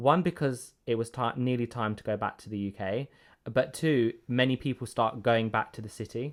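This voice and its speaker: Over a very clean, silent background, a man speaks at a moderate pace with a medium pitch. His pitch varies in an ordinary way while his loudness swings widely. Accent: English. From Greece, with years in the UK. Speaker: podcast co-host. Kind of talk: casual chat.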